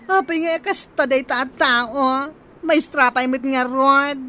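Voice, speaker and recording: An actor playing a flamboyant gay man who loudly demands repayment of a debt, speaking in a radio drama. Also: high-pitched, slow pace, a little hiss or hum, full character voice. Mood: angry. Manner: loud, indignant, shouting threats.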